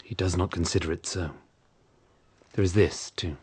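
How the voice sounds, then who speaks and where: An actor playing a polite male servant who speaks calmly and formally in a radio drama. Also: low-pitched, normal speed, slight background noise, close to an everyday voice. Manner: calm, courteous, formal.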